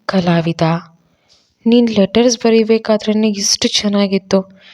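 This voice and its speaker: A woman's voice: medium pitch, measured pace, a little mellow, close to an everyday voice. A woman voicing a scheming young woman who puts on a theatrical, wheedling act in a storybook audio drama.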